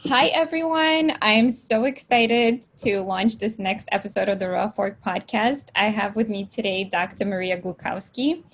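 A woman's voice: mid-range voice, moderate pace, hardly any pauses, slight background noise. A woman hosting a podcast interview, upbeat and enthusiastic, using "like" as filler. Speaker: podcast host.

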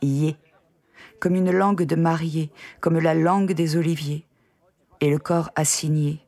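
A woman narrating her own poetry in a measured, lyrical spoken-word delivery. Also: low voice, steady tone, dark tone. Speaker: poet narrator.

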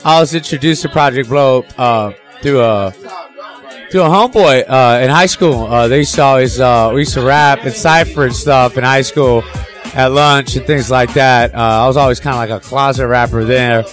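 A man's voice: medium pitch, moderate pace, faint music behind. A man in his thirties, a rapper raised in Los Angeles whose first language was Spanish, telling stories in a casual backstage interview with lots of fillers and slang. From Los Angeles area, of Salvadoran family. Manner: rambling storyteller, many fillers and slang. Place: backstage at a live hip hop show.

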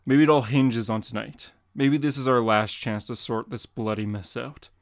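A man voicing a grim, determined male masked vigilante in a dramatic comic reading, earnest and measured. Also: mid-range voice, fairly even intonation, no echo, studio quality, close to an everyday voice. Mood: pleading.

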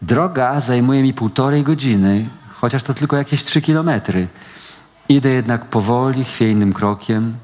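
A male actor giving a measured, expressive dramatic reading of first-person literary prose at a book event. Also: medium pitch. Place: event hall at a book meeting. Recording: long hall reverb.

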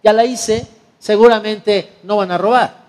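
Preacher doing a stern tribal chief, firm and solemn, high voice for a man. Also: steady tone, unhurried, darkish tone. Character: stern but loving island tribal chief, adult man.

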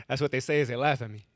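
A man's voice: mid-range voice, no echo. A young man from Wisconsin telling a personal story to an audience, with a stutter that repeats words and cuts off syllables.

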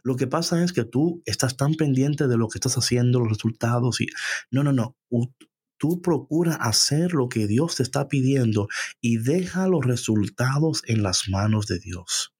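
A man's voice: mid-range voice, animated, moderate pace, darkish tone, slightly rough. A man preaching a sermon in a conversational way, often asking his listeners questions.

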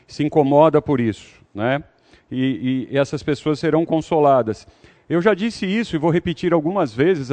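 A man's voice: fairly high pitch, a little mellow. Man teaching Scripture, conversational. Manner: conversational, questions the audience, frequent tag questions. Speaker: Bible study teacher. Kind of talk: interactive Bible teaching.

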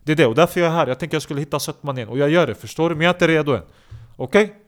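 A man's voice: on the high side, animated, natural voice. A man voicing a subdued, evasive young man who stumbles and repeats his words in a comedy podcast sketch. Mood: earnest.

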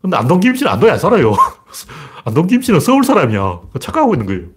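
A man talking through politics and history in a casual, blunt, emphatic monologue with a husky voice. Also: on the high side, racing. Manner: animated, blunt and emphatic, with frequent laughs and repeated phrases. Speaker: political commentator.

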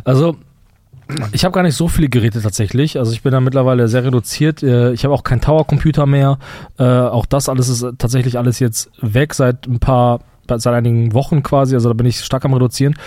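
Man, podcast co-host, rapid and emphatic delivery, dry close-mic sound. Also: medium pitch, steady tone, warm tone, no echo. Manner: rambling, emphatic, many fillers and restarts. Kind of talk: casual podcast chat.

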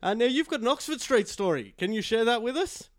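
A man's voice: very high-pitched, lively intonation, fairly quick. A young man hosting a casual radio chat show, joking crudely and teasing his guests. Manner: joking, crude, banters and teases. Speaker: host.

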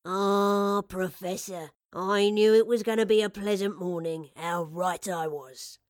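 A woman's voice: medium pitch, fairly even intonation, measured pace, no room sound, lightly acted. Elderly male shopkeeper, played by a woman, storybook. Fond, playful, old-fashioned grumbler. Dry recording. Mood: kindly, welcoming. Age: older. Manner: old-fashioned British turns of phrase, fond and teasing. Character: kindly elderly male map-shop keeper, playful and grumbling.

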